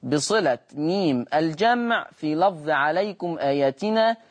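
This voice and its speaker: A man teaching Quran recitation on a broadcast lesson, patiently repeating words slowly to demonstrate their sounds. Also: fairly high pitch, lively intonation. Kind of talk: televised Quran lesson, explaining Warsh reading.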